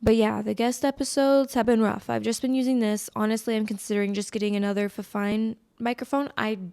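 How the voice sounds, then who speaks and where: American woman, casual solo podcast host, slightly high voice, creaky, scratchy, congested, informal and chatty, close mic. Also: steady tone, brisk, dark tone. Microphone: close podcast microphone.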